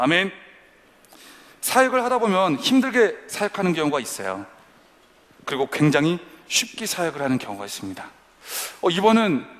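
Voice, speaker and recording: Lively, high-voiced preaching man in a reverberant church. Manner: dramatic, acts out quoted prayers and complaints. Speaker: pastor. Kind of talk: sermon. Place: church service for young adults.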